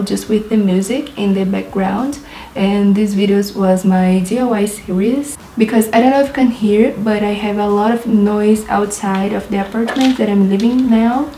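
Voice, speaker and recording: A woman's voice: medium pitch, warm tone, echoey room, slight background noise, low-quality recording. A young woman from Brazil with a Brazilian Portuguese accent, chatting through a makeup tutorial in her apartment and describing each step while laughing often. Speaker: beauty vlogger. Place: apartment in a big city.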